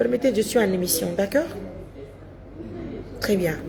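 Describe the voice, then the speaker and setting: Over noticeable background noise, a soft-spoken woman talks at a fairly slow pace. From Guinea (Pita). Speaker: journalist and NGO presenter. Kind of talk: live stream appeal. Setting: restaurant.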